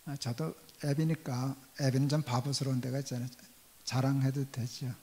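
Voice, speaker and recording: A man's voice: medium pitch, flat delivery, normal speed, mellow. An older man in his sixties, a pastor telling a personal story in a sermon and acting out the quoted dialogue. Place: church sanctuary. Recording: long church hall reverb.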